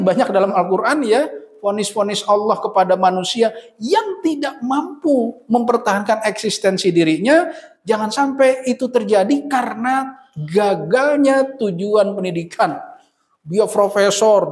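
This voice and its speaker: A man, an Islamic cleric, giving a religious lecture, stressing his points with rhythmic repeated lists and reciting Arabic verses. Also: high voice.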